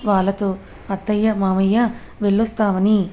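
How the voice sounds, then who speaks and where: A woman voicing a patient, reassuring young man in a read-aloud family story, in a gentle, coaxing way. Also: medium pitch, flat delivery, moderate pace, natural voice.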